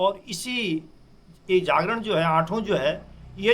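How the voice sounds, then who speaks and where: This man's voice is high in pitch, heard with noticeable background noise. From Uttarakhand, Kumaon (Bageshwar). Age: 60s. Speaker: village elder, farmer. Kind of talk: news interview.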